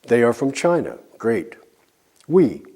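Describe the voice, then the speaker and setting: A man teaching an English lesson, drilling example sentences slowly and clearly with pauses for learners to answer. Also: medium pitch, wildly swooping pitch, darkish tone. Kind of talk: slow scripted language lesson.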